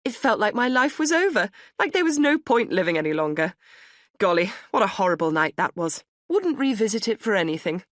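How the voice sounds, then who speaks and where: A woman's voice: mid-range voice, very animated, fairly quick, no echo, clean studio sound, voice pushed up, lightly acted. A woman voicing a breezy posh woman in her sixties for an audiobook, trilling, exclamatory and cheerfully gloomy. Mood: gleefully gloomy. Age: 60s.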